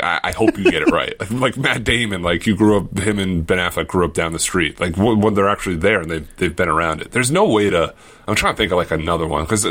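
A man's voice: sits low, a bit bright. A man co-hosting a podcast in casual chat, rambling, repeating words and laughing often. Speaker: podcast co-host.

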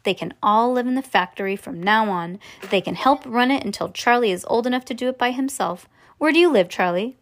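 A woman reading an excitable old candy maker. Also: fairly high pitch, a little fast. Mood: eager, excited. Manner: emphatic, exclamatory. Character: excitable elderly male candy factory owner, grand and eager.

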